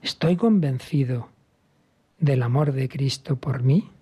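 A male priest with a Spain Spanish accent delivers a sermon in a dark, mellow voice with a husky edge. He preaches earnestly and with emphasis, at times sinking to a near whisper. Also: medium pitch, takes it slowly. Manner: earnest, emphatic, drops to a hushed whisper for quoted words.

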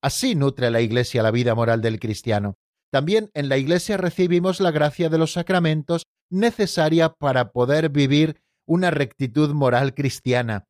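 A man hosts a Catholic radio program, walking his listeners through the catechism in an earnest, teacherly way. He addresses them directly as friends. His voice sits on the higher side and sounds dry and close. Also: normal speed, a little mellow, no room sound.

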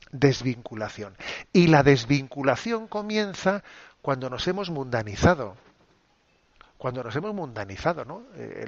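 A man's voice: medium pitch, no echo, muffled recording. A man, a priest, giving a conversational spoken reflection, often tagging phrases with little questions. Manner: conversational, many tag questions. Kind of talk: radio talk reflection.

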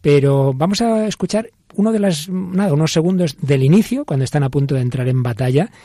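Male host, Spain accent, soft dark tone, conversational and reflective, dry studio sound. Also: on the high side, animated, a little fast, no echo. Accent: Spanish, from Spain. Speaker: interview host, priest. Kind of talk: conversational interviewing.

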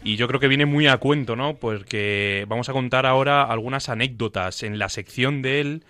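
A man co-hosting a casual radio chat, relaxed and adding details and corrections. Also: medium pitch, normal speed, no room sound. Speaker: seminarian co-host.

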